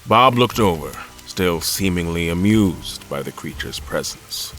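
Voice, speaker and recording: A low male voice plays a world-weary admiral in an audio drama. He recounts a haunting ordeal with formal, measured courtesy over faint music. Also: animated. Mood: weary, reflective. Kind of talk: first-person audio drama narration with dialogue.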